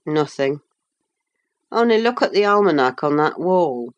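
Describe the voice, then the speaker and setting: A brooding, resentful young man who speaks low and sullen, read by a woman. The delivery is very slow and measured, with little change from the reader's own voice. It sounds like an audiobook scene. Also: animated, muffled recording.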